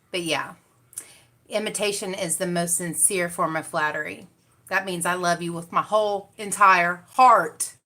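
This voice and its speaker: A woman's voice: on the low side, bright, forceful tone. A woman chatting casually with her viewers on a makeup livestream, talking straight to them. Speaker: beauty livestream host. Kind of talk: casual livestream chat while doing makeup.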